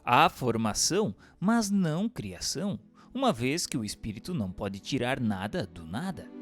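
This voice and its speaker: A Brazilian man reading a scripted text as a narrator, in a formal, measured, didactic manner. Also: medium pitch. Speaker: narrator reading a religious treatise. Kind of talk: scripted audiobook narration for radio. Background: instrumental music.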